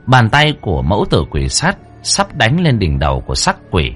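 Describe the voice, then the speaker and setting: Guy telling a spooky ghost story, husky voice, super dramatic ups and downs, bit of music behind. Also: on the low side, huge pitch swings, normal speed, fairly bright tone. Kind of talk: horror story narration.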